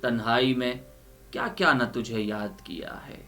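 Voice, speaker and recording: Bright, theatrical man reciting poetry over music. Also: medium pitch, lively intonation. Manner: theatrical, emphatic, repeats lines for effect. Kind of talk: dramatic Urdu poetry recitation with explanation. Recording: music under the voice.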